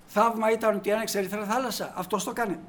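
A man preaching a sermon to his congregation, emphatic, swinging from quiet asides to loud declarations. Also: high voice, fairly even intonation. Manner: addresses the congregation as brothers.

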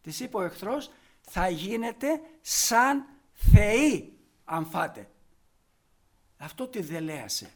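A man preaching a sermon, fervent, rising to loud emphatic peaks. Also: high-pitched, vocal fry.

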